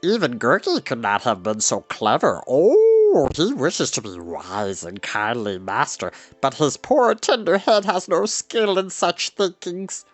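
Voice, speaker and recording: A man plays a fawning little storybook creature. The voice swoops wildly between low and high in drawn-out, sing-song phrases, dry over faint music. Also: huge pitch swings, dry recording, exaggerated voice. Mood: fawning, wistful. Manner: sing-song, drawn-out, self-pitying third-person speech. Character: fawning, whimsical, simple-hearted creature companion. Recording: music behind the voice.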